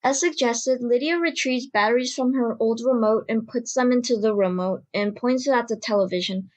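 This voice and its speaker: High-voiced woman narrating. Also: moderate pace, darkish tone, dull audio. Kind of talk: scripted narration.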